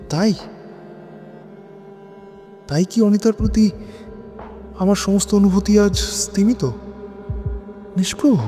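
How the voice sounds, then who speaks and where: Brooding widower narrator male actor, introspective and theatrical, mellow tone, music beneath, audio drama. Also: high voice. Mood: anguished doubt. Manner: introspective, theatrical, with rhetorical questions and pauses. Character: brooding, lonely widower narrating his haunted memories. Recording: long reverb, music bed underneath.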